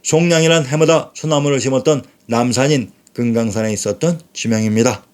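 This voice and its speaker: Male narrator, mid-pitched, even lecturing read of history sources. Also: fairly quick. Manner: steady lecturing delivery, reading quotations aloud. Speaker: channel narrator. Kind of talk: scripted narration reading from sources.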